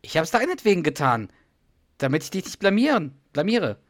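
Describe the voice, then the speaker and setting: A man's voice: on the high side, big pitch swings, brisk, no room sound, studio quality, pitched above the performer's own voice. A man reading a flustered, defensive husband. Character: blustering man who fakes a heart attack. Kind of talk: podcast read-through of a sitcom scene.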